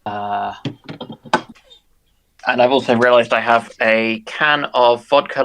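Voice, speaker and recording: A man's voice: medium pitch, vocal fry, a bit bright. A man chatting casually as a co-host on a livestream. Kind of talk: casual chat.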